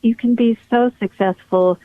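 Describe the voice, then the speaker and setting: A woman's voice: on the high side, fairly even intonation, normal speed. A middle-aged woman, a pediatric neurologist, explaining with enthusiastic emphasis in a podcast interview. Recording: tinny phone-like line, dry.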